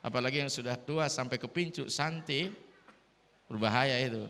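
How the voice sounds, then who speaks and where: A man with a Sulawesi accent, a Hindu priest giving a dharma talk and preaching in a lively way, with English phrases mixed in. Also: mid-range voice, normal speed, slight background noise. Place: large hall at a temple gathering. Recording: long reverb of a hall.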